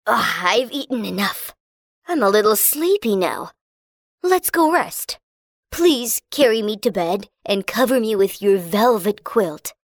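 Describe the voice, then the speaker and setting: A courteous yet pushy male frog from a fairy tale, voiced by a woman narrator. His pitch sits in the middle, and he asks for things with polite insistence. The sound is close and dry. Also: expressive, a little slow, no echo. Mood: demanding. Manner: polite, demanding.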